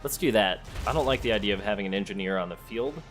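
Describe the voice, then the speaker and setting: A man with a fairly low voice commentates casually on a video game. He thinks aloud through his moves and addresses the characters directly. Faint music plays behind him. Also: animated, quick pace, a bit bright. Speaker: let's play host. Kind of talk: casual gameplay commentary, sometimes reading game text aloud.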